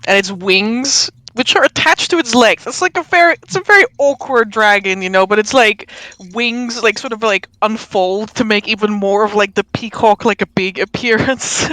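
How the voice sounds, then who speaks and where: A woman narrating a tabletop game as game master, descriptive and drawn-out with casual asides. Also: mid-range voice, fairly bright tone, dry recording.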